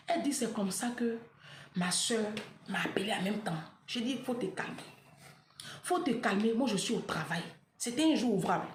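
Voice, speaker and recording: A woman's voice: fairly high pitch, echoey room, slight background noise. A woman vlogger speaking straight to her followers, retelling a painful story with dramatic flair and acting out the dialogue.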